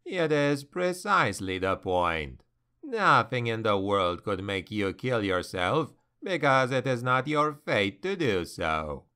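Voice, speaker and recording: A man voicing a sly, amused ancient male demon who speaks slowly and knowingly. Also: medium pitch, big pitch swings, sharp tone, clear, resonant tone, exaggerated voice. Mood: mocking. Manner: slow, knowing, mocking.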